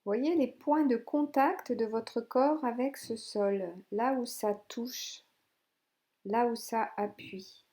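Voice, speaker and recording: Female yoga nidra guide: soothing and gentle, very slow delivery, mellow timbre. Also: a little high. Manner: soothing, gentle, unhurried instructions with pauses. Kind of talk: guided relaxation meditation.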